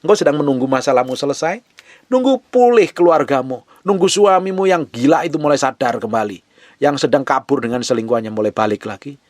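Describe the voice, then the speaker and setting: Impassioned pastor preaching up close. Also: male voice, medium pitch, lively intonation, fairly quick, no room sound. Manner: swings from loud urgent exhortation to soft hushed pleading. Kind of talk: sermon.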